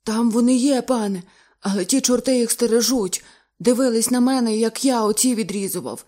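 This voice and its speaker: A woman's voice: mid-range voice, normal speed, mellow, husky, lightly acted. A woman voicing a terrified male pearl diver who pleads in breathless, panicked bursts. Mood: frightened.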